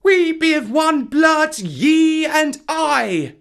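A small, headstrong jungle boy. The voice is pitched high and swings about eagerly, childlike and exclamatory, full of boast, sulk and defiance. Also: very animated, very slow, creaky, a bit bright, exaggerated voice. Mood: boastful.

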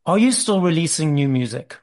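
A man's voice: fairly high pitch, animated, brisk, a little mellow. A man hosting an entertainment interview show, reading a scripted intro and asking questions in an upbeat presenter manner. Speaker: interview host.

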